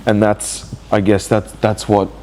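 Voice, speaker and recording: A man talks slowly through a personal video diary. His voice sits a little low and sounds stuffed up from a cold. He keeps stopping and restarting as he works through his thoughts. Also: completely flat delivery, a little mellow, slight background noise. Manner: slow, halting and reflective, with many restarts. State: congested, blocked nose. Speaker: vlogger.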